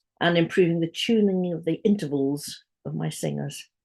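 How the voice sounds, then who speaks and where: A woman with an English accent, a fairly low pitch and lively intonation. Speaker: music teacher. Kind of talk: webinar presentation. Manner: fast.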